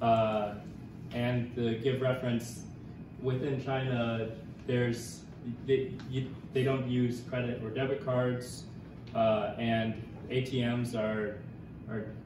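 With noticeable background noise and audible room echo, a man speaks at a very slow pace in a monotone, flat intonation, leaving long, frequent pauses. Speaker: student presenter. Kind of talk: class presentation. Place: classroom.

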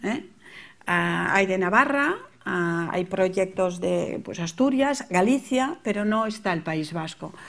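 A woman's very slow speech with lively intonation. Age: 60s. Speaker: foundation representative; speaker. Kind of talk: conference talk. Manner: halting. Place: hall.

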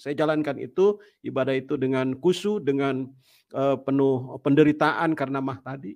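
A man talks at a moderate speed. Little else can be heard behind him. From West Java (Sukabumi, Sundanese); West Java. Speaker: pastor and evangelist; pastor, evangelist. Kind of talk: testimony. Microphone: earbuds.

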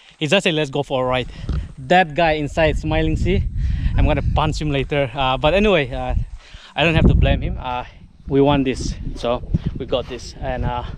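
Loud background noise surrounds a man speaking at a moderate pace. He pauses long and often, and the sound is dry with no echo. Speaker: travel vlogger. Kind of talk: casual vlog chat. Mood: cheerful, joking. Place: open country. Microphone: phone near.

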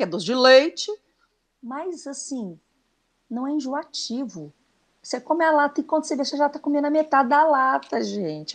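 Against a quiet background, a woman speaks at a high pitch and a moderate pace with lively intonation. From Belo Horizonte, Minas Gerais, Brazil. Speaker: samba singer and songwriter; remote guest. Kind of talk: casual talk show interview. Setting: remote video link. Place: home room. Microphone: video call.

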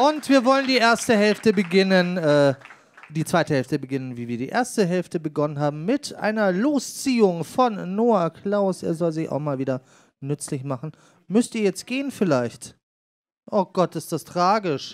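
Over a quiet background, a man with a high pitch talks at a moderate pace in a playful tone with very wide pitch swings. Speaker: slam poetry host. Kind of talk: live event hosting, banter with audience. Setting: stage with audience. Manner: jokey, playful, casual. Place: stage. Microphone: handheld.

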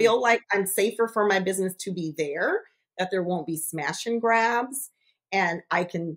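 A woman at a moderate pace, with ordinary pitch variation and a quiet background. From Long Beach, California. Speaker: city council candidate. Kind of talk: interview answer. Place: home room.

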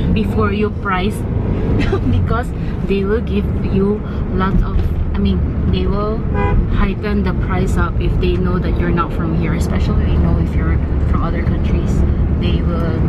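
Over loud background noise, a woman talks at a moderate pace, leaving long, frequent pauses. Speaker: travel vlogger. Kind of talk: casual vlog chat. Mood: amused, animated. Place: car. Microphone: phone near.

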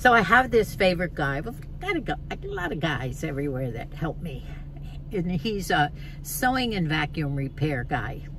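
A woman's very deep, low voice at a moderate pace, with a dry sound, no echo and noticeable background noise. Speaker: vlogger. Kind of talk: casual vlog chat. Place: car. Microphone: phone near.

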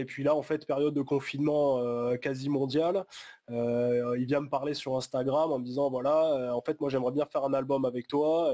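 Against a quiet background, a man with a medium-pitched voice and a dark, mellow tone speaks at a moderate pace in a monotone, flat delivery. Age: 20s. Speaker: rapper. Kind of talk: interview.

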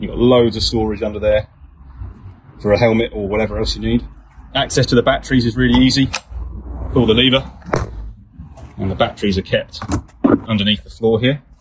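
A man is talking fairly quickly. Noticeable noise sits in the background. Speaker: motorcycle dealership salesperson. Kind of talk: product walkthrough commentary. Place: street. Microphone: phone near.

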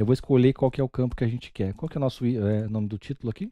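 A man's dark, mellow tone with ordinary pitch variation, in a dry, close sound with no echo and a quiet background. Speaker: web design tutor. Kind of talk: screen-recorded tutorial. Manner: fast.

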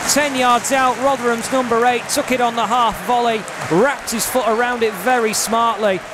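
An extremely high-pitched man with fairly even intonation over crowd noise in the background. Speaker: football commentator. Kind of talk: live football commentary. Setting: stadium, commentating at ground. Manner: descriptive, clipped, informed, conversational asides.

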